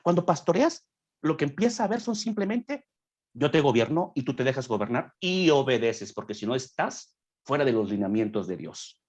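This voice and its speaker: A young man with a husky, slightly breathy voice talks in a podcast conversation. He preaches with earnest conviction and often drops into quoted asides, acting out what other people say. His pitch sits in a middle range. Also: very animated, normal speed, a little mellow. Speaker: guest speaker.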